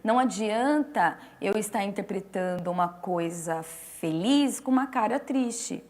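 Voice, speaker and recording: A woman interpreter explaining in a relaxed conversational way, restarting phrases and pausing as she talks. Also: mid-range voice. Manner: explanatory, with frequent restarts and fillers. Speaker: sign language interpreter.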